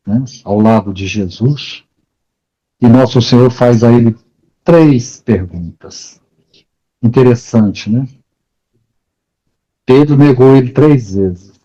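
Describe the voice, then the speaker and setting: Guy preaching slow, mellow voice, asks questions to the crowd, muffled sound. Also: medium pitch. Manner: rhetorical questions, retelling stories. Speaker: spiritist speaker. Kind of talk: sermon-like storytelling talk.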